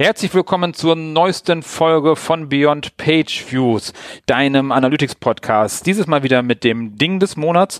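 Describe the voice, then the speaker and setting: A normal speaking voice from a man, fairly high in pitch, with ordinary pitch variation and a fairly slow pace, in a dry, close sound with no echo. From Wilhelmshaven, northern Germany. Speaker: podcast host. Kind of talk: casual chat.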